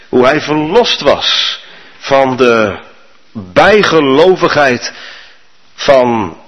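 A man's voice: mid-range voice, fairly bright tone. A male preacher delivering a storytelling sermon to his congregation in a church. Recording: reverberant church hall.

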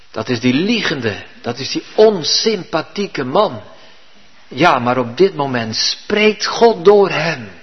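A man's voice: a little high, slightly rough. A male pastor preaching a sermon in church, telling the story vividly and earnestly. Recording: dull recording with long hall reverb.

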